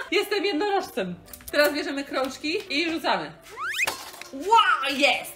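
With clear music playing behind her, a woman speaks very slowly in a raised, projected voice. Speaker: toy unboxing creator. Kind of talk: casual vlog chat. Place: home room.

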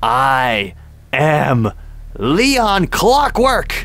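Using a put-on character voice, a man swings his fairly high pitch very widely. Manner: morbid, dark.

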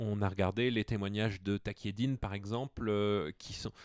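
A man in a dry sound with no echo, against a quiet background. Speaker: political commentary co-host. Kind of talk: casual explanatory chat. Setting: recorded video, offline. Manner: hesitant, many fillers. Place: home room. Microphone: handheld.

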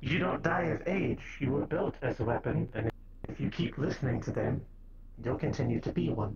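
Low-to-middle pitch at a moderate pace, with clear background noise. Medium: machinima. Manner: calm, grave, frank.

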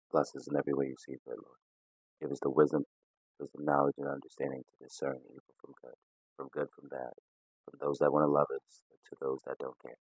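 In a quiet background with dry sound and no echo, a man talks with big swings in loudness. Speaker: prayer video creator. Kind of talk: fervent prayer; spoken prayer led for online viewers. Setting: video to camera. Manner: fervent, pleading, repetitive 'Lord' refrains; earnest, rhythmic, preacher-like cadence. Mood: earnest, prayerful, calm. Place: home room. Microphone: phone near.

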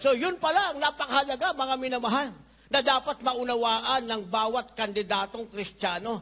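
A man speaks at an extremely high pitch in a raised, projected voice. His tone is animated, with ordinary pitch variation. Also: moderate pace. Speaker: preacher. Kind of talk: sermon. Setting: church. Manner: animated, exhorting the congregation; rhetorical, repeating 'mga minamahal'. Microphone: handheld.

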